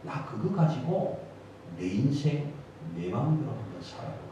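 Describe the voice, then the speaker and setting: A pastor voicing a defiant, greedy young prodigal son who demands his inheritance, in a high, insolent voice. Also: sing-song, moderate pace, lo-fi sound, background noise, lightly acted. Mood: demanding. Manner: shouting, high-pitched and insolent. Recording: booming echo in a large church, from a distant mic.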